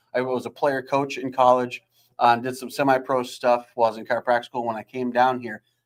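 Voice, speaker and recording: Very fast speech comes from a man whose voice sits at a medium pitch. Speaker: chiropractor, clinic owner. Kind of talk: casual chat. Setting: live stream. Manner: animated.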